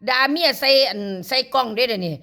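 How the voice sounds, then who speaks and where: Fast-ranting Isan woman in her fifties. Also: high-pitched, expressive, creaky, sharp tone. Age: 50s. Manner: crude insults and swearing. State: voice worn from overuse. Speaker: live-stream host. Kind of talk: angry ranting live stream.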